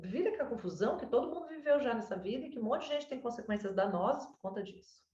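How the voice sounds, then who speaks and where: A woman's voice: a little high, expressive, fast, dull audio. Brazilian woman advising a parent, distant roomy mic. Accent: Brazilian Portuguese. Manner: warm explanatory, lots of "né?" and "sabe?". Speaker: child development consultant. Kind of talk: advice session with a parent.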